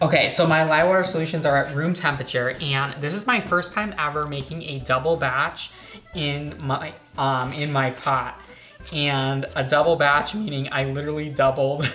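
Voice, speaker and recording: Faint music can be heard behind the voice. The talking proceeds at a moderate pace. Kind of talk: tutorial. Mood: relaxed, chatty. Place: workshop.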